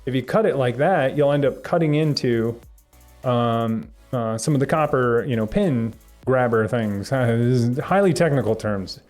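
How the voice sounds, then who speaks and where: A young man hosting a live tech stream, answering viewer chat in a rambling, halting way with lots of fillers and restarts. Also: medium pitch, darkish tone, faint music behind. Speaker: tech livestream host.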